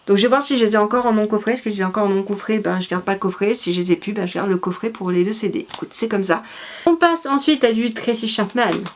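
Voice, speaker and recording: A woman talks casually as a vlogger, rambling along with lots of fillers and restarts. Her voice sits at a middle pitch. Faint background noise and small clicks run under the recording. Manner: chatty, rambling, many fillers and self-corrections. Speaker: vlogger presenting her CD collection. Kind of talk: casual chat.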